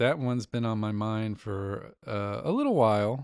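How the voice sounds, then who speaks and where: An unremarkable speaking voice: a man with an American accent and fairly low pitch talks at a moderate pace with fairly even intonation. The sound is dry and close with no echo, over a quiet background. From US Midwest (Indianapolis, Indiana). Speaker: podcast co-host, fragrance reviewer. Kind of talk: casual chat.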